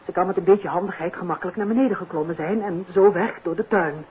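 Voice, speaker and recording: A woman's voice: fairly low pitch, fast, close to an everyday voice. An actress playing a bewildered, worried matron in charge of girls in a 1950s Dutch radio play. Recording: tinny, noisy 1950s radio recording.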